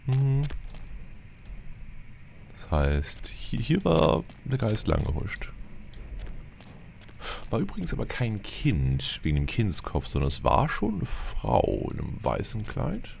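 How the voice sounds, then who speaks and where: Male let's play host, casual and wry, creaky bass voice, clear game noise behind him. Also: huge pitch swings, slow pace, pauses often, a little mellow. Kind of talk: casual gameplay commentary with light roleplay. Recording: noticeable background noise, game ambience. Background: video game ambience.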